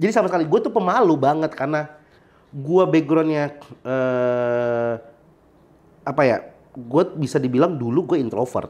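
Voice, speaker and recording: A man's fairly high-pitched voice at a moderate pace, with lively intonation and long, frequent pauses. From Makassar, Indonesia, then Jakarta. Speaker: stand-up comedian. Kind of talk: casual interview chat.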